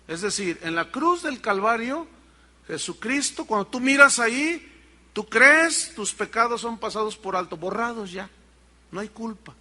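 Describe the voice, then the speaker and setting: A man's voice: high voice, animated, measured pace, bright, forceful tone. A man preaching a sermon to his congregation, pressing them with rhetorical questions. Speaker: pastor. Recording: long reverb of a large hall.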